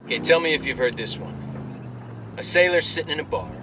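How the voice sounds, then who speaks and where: Brash joke-telling soldier, off-mic. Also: male voice, fairly high pitch, gravelly, distant mic, music in the background. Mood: cocky, joking. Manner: crude, swaggering, drawn-out punchline delivery. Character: brash, crude male army soldier cracking off-duty jokes. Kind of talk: military banter, performed joke storytelling.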